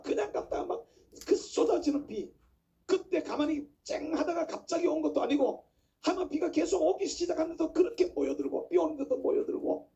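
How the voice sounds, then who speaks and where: A male preacher delivers a fervent sermon, pressing his point with rhetorical questions. His voice sits very high yet sounds mellow and dark, with a gravelly edge. The recording is dull and lo-fi. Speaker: pastor. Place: church pulpit.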